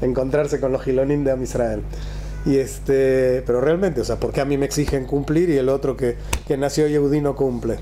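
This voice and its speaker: Mellow older rabbi teaching. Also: male voice, mid-range voice, steady tone, normal speed, soft background music. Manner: rhetorical questions, emphatic repetition. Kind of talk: religious text class, conversational lecture. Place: small classroom, indoors.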